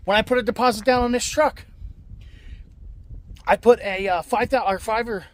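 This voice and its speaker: A man's voice: high-pitched, moderate pace. Blunt, rambling man with a raised voice. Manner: blunt, venting, swears freely, many restarts. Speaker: scrap-metal vlogger. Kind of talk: casual rambling vlog talk.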